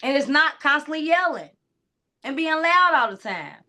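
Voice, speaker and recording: This clarity coach, loud and naturally high-pitched, speaks at a normal speed with big swings in pitch. She talks directly to listeners in an emphatic, casual motivational style crowded with asides.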